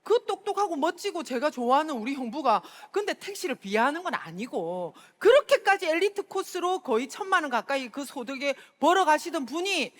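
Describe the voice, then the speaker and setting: A middle-aged Busan woman speaks in a high, very animated voice, telling stories and calling out to the crowd. She gives a motivational talk at a seminar. Her voice rings with the long reverb of a large hall. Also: brisk, few pauses. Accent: Busan dialect of Korean. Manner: chatty and storytelling, often calling out to the audience. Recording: reverberant hall, stage mic.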